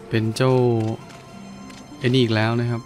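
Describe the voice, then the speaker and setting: A man narrates his own gameplay in a casual, joking way. His voice sits at a medium pitch and he often exclaims or talks to himself. Game music runs clearly behind him. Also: level tone, moderate pace. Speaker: gaming video host. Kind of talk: casual let's play commentary. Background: game music and effects.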